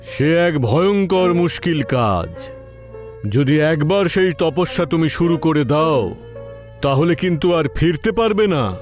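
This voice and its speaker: Man voicing a slow, grave tantric holy man. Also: a little high, animated, soft background music, voice pushed up. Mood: grave, warning. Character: solemn male forest tantric holy man, warning. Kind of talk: horror audio storytelling.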